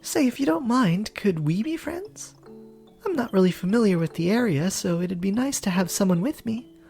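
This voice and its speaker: Soft music plays behind a woman performing a character voice in a story game: an earnest, polite young foreign woman, chatty and easily flustered, who stammers and bristles indignantly when teased. Her mid-range voice is animated, creaky, and dark, delivered at a moderate pace.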